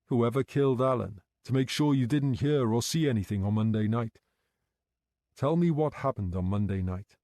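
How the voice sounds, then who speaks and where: A man voicing a calm, patient male detective who questions people gently and in a measured way. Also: medium pitch, dry recording, studio quality, natural voice.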